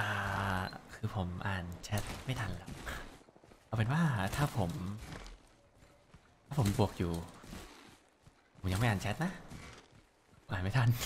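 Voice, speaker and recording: Background noise is noticeable throughout. The speaker's intonation sounds lively. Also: man, fairly low pitch for a man. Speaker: streamer. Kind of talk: gameplay stream commentary. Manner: whispered. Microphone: studio mic.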